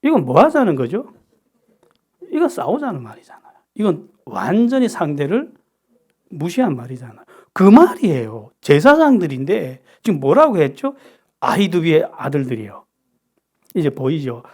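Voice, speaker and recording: Lively North Korean-born pastor preaching. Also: male voice, fairly high pitch, normal speed, slightly rough. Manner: lively, asks the audience rhetorical questions. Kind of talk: sermon, Bible study.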